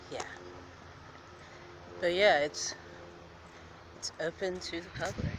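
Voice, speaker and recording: A man's voice: sits high, steady tone, slow, fairly bright tone. A man chatting casually while walking outdoors, rambling with restarts and a bit out of breath. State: slightly out of breath. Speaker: vlogger. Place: outdoors on streets near an air base. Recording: noisy outdoor street with traffic. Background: traffic and urban ambience.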